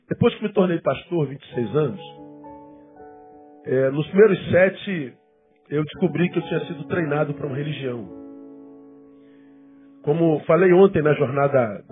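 A fifty-year-old Brazilian pastor with a Rio de Janeiro accent, preaching conversationally to a congregation and repeating words for emphasis. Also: male voice, fairly high pitch. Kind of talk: sermon, conversational teaching to a congregation. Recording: thin phone-like sound, guitar music behind.

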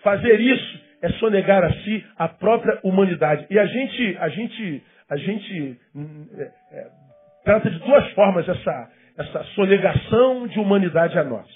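A man preaching a sermon as pastor, climbing to emphatic questions and dropping to hushed asides. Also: high voice, lively intonation, unhurried, slightly rough. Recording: tinny phone-like sound with faint music behind.

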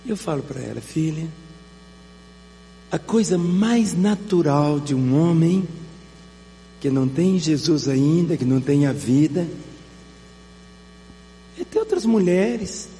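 High, gravelly Brazilian pastor preaching. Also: male voice, sing-song, slow, long pauses, dark tone. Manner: emphatic preaching with repeated rhetorical questions. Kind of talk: sermon. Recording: reverberant hall with faint mains hum.

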